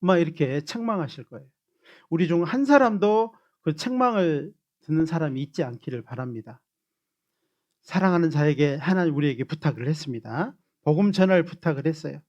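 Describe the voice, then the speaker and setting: A man's voice: fairly high pitch, brisk, highs cut off. A man preaching as pastor, coaxing his congregation into greetings before closing in prayer. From Korea. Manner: animated, coaxing the congregation to repeat gestures.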